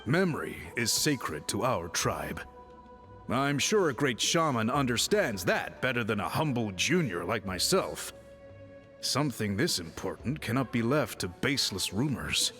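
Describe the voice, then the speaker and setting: A man's voice: lowish voice, a bit bright. A man playing an earnest, deferential tribal priest who speaks formally and politely in a video game. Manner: formal, polite, measured wording. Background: background music.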